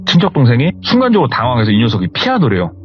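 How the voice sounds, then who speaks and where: A man retelling a viewer's horror story in an animated, conversational way. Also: medium pitch, very fast. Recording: slightly muffled lo-fi recording.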